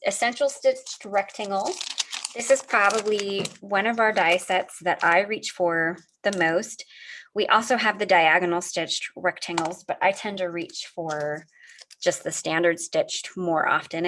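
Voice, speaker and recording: A woman's voice: lowish voice, a bit bright, slight background noise. A middle-aged woman hosts a live craft demo over a video call, talking viewers through each step in a friendly, chatty way. She is a little sniffly and often stops to answer comments from the chat. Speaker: craft livestream host.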